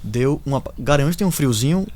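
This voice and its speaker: A man's voice: mid-range voice, a little fast. Guy hosting a football podcast, easygoing, teasing questions. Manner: relaxed, jokey, leading questions. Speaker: podcast host. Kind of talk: casual podcast interview.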